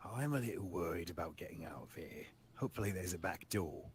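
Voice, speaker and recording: A man's voice: deep voice, lively intonation, fast talker, husky, exaggerated voice. A man voicing a classy, cautious zombie adventurer in a tabletop game, polite and understated, with faint noise behind him. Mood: worried, reserved.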